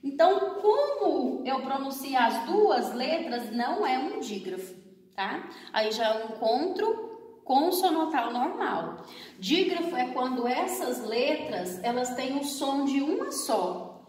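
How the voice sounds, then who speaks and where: A woman with a Brazilian Portuguese accent, a primary school teacher, slowly explaining a grammar lesson for children and enunciating each word with care. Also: sits high, big pitch swings, a little mellow. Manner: slow, drawn-out, over-enunciated explanation with frequent check-ins. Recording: echoey room, distant from the mic.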